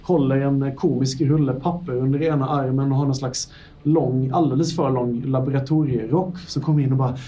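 A man narrating as game master of a tabletop game, in a relaxed way with many fillers. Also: mid-range voice, far from the mic.

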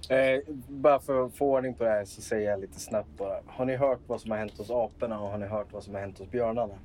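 A man playing a tabletop game, calmly describing his character's actions step by step. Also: on the low side. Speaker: player.

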